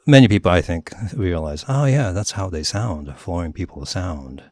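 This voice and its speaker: A middle-aged Japanese man with a Japanese accent, a guest author chatting in an interview, animated and laughing often as he demonstrates voices. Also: low voice, normal speed, no room sound. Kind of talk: casual interview talk.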